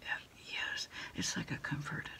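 Slow whispering woman in ASMR roleplay. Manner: soft, unhurried, hesitant with frequent trailing pauses. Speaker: ASMR performer playing a takeout order taker. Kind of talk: whispered ASMR roleplay, one-sided phone conversation.

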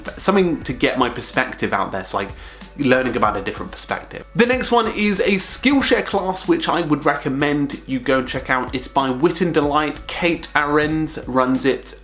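Chatty young man vlogging at his desk. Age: young adult. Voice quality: calls his own voice monotone. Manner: chatty, upbeat, lifts pitch at each new item. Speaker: productivity vlogger. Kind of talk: casual to-camera recommendations. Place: small home office, indoors. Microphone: camera close up at desk.

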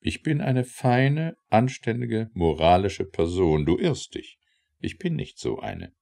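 A man's voice: on the low side, expressive, slow pace, gravelly, warm tone, voice pushed up, heavily acted. A man voicing a proud, stately city goddess from a verse tale, declamatory and grandiose. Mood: indignant, proud.

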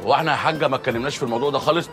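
An actor playing a fawning male servant with an Egyptian accent, talking in a rapid, obsequious manner. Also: medium pitch, a bit bright, faint music behind, close to an everyday voice. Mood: eager. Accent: Egyptian Arabic.

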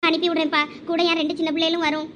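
A woman's voice: very high-pitched, completely flat delivery, racing, fairly bright tone, a little hiss or hum. A woman with a Thoothukudi Tamil accent performing village family comedy drama dialogue, chatty, scolding and coaxing.

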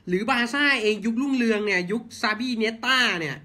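A man's voice: high-pitched, expressive, quick pace, bright, forceful tone. A man ranting blunt football commentary, heated and swearing, firing off rhetorical questions. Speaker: football fan channel host.

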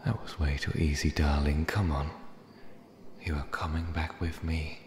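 A man's voice: a bass voice, level tone, moderate pace. A man playing a possessive, menacing cat demon in an ASMR roleplay, taunting with mock affection. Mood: predatory, amused. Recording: echoey hall reverb, clear background noise. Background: ambient sound effects.

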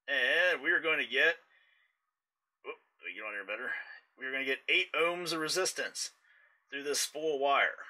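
A man with a very bright, sharp-edged voice walks through a repair job in a workshop. He talks in a relaxed, explanatory way while his hands are busy with the tools. The delivery is casual and patient. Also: medium pitch, rough recording. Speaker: mower repair technician. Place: indoors, workshop floor.

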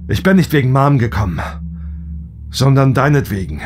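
A man's voice: medium pitch, lively intonation, moderate pace, faint music behind, lightly acted. A man acting a devoted, troubled grown son in a German audio drama, speaking earnestly and hesitantly.

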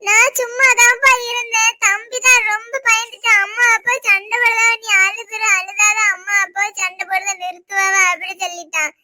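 A woman voicing a scared little child pleading with parents, slowly and tearfully, with a Tirunelveli Tamil accent, in an animated cartoon. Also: very high voice, no room sound, full character voice. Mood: timid.

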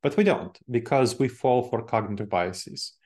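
A man in his forties speaks with an Eastern European accent, in a chatty, engaged way, and laughs easily. His voice has a plain, mid-range pitch. He is on a video call from a home office, using earbuds as his mic. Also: moderate pace, darkish tone. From Moldova. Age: 40s. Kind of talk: online presentation to professionals. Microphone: webcam video call with earbuds.

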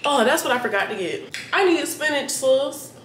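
A woman's voice: high voice, lively intonation, moderate pace, fairly bright tone, a little hiss or hum. Chatty, cussing woman vlogger, stuffy nose. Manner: blunt, profane, chatty, talks straight to viewers. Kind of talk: casual day-in-the-life vlog. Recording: echoey room with clattering dishes.

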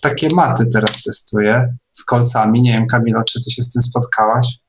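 Male host for casual online meeting; medium pitch, hesitant, repeats himself. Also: level tone, soft background music. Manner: halting, repeats words.

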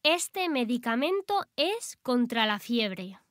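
A woman reading short phrases slowly and clearly, repeating each one for language learners. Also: fairly high pitch, very animated, a bit bright, dry recording, studio quality. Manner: clear, careful, deliberate enunciation. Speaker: language teacher.

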